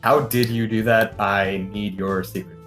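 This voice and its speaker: A man's voice: fairly low pitch, steady tone, unhurried, fairly bright tone, faint music behind. Informal man at a tabletop game. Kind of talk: casual improvised role-play chat.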